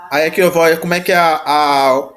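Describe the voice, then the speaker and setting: A man teaching a Greek grammar lesson, talking haltingly with many restarts and a constant "né?" after each phrase. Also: fairly high pitch, steady tone, fairly bright tone. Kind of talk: live online grammar lesson.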